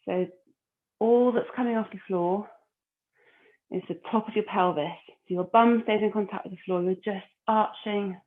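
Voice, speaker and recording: A woman leading a core exercise class, giving calm, encouraging cues and breath counts. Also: mid-range voice, normal speed. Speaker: fitness instructor. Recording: phone-like narrow audio.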